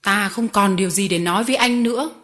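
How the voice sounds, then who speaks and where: A woman reading an audiobook voices a stern old man who confronts a cruel boss, speaking forcefully and indignantly. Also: medium pitch, fast, natural voice. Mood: curt. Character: stern old male street musician, righteous.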